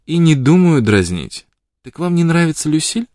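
A man's voice: on the high side, sing-song, normal speed, darkish tone, no room sound, studio quality, pitched above the performer's own voice. A man voicing a bold, teasing young woman in an audiobook reading, with a light, mocking delivery.

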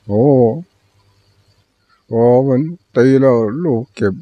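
A man's voice: slow pace, no echo, highs cut off. An older man, a Buddhist monk, giving a Dharma talk with plain storytelling and repeated teaching phrases.

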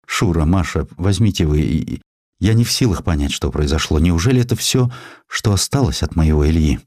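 A man's voice: low voice, lively intonation, fairly quick, darkish tone, no room sound, studio quality. A man voicing a grief-stricken, faltering mother in a dramatic audiobook. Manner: grieving, faltering.

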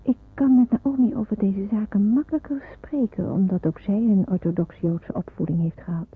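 A woman's voice: medium pitch, normal speed, slightly rough. An actress playing an earnest young Jewish woman in wartime hiding, a little hesitant, in a Dutch radio play. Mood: reflective. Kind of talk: Dutch radio play acting with diary-like narration. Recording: muffled, thin old radio recording.

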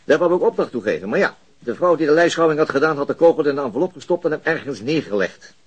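An actor playing a dogged, frustrated police detective in a radio drama, insistent and questioning with some hesitation mid-sentence. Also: male voice, on the high side, lively intonation, fast, husky, highs cut off. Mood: probing. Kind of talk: Dutch radio drama acting, conversational.

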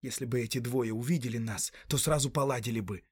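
A man voicing a gentle, cautious young male hobbit who talks in a calm, hushed way. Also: fast, husky, no room sound, clean studio sound, lightly acted. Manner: hushed, calm, low-voiced.

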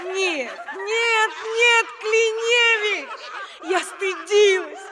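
A giggly, shameless society lady in a radio play, her voice very high and her words slow and drawn out. A crowd laughs loudly all around her. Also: heavy background noise, full character voice. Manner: giggling, eager.

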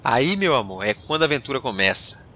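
Guy doing an excitable space captain in a radio play, sharp bright voice, chatty storyteller. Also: medium pitch, fairly quick. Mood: storytelling. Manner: animated, colloquial. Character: excitable, hapless male starship captain telling his adventures. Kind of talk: audio drama storytelling.

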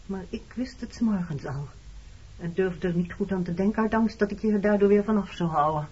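A woman acting in a radio play as a hurt, reproachful married woman facing her former lover, speaking in a measured, intimate, accusing way with a slightly husky voice. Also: medium pitch, darkish tone, lightly acted. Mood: wistful, subdued. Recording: dull lo-fi old radio recording.

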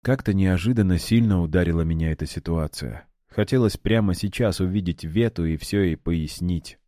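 A man narrating an audiobook in the first person, with a measured, wry storytelling manner. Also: deep voice, warm tone, dry recording, clean studio sound.

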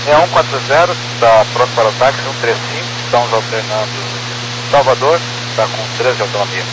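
A Brazilian man speaks as a pilot in clipped radio readbacks. His mid-pitched voice comes over a walkie-talkie style radio, swamped by heavy noise and hum. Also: brisk. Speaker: airline pilot.

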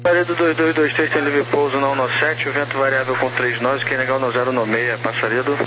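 A man's voice: medium pitch, little pitch movement, brisk, sharp tone. A Brazilian man working as a tower air traffic controller, speaking clipped procedural phraseology over crackly radio. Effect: crackly aviation radio. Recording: noisy aviation radio with electrical hum.

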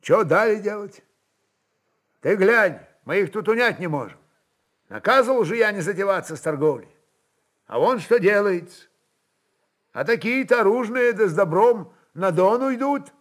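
A man's voice: high voice, lively intonation, normal speed, long pauses, fairly bright tone, pitched above the performer's own voice. A man voicing a stout, simple-hearted boyar prince, an anxious governor who frets and complains, in a dramatised story. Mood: worried, exasperated. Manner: fretful, complaining.

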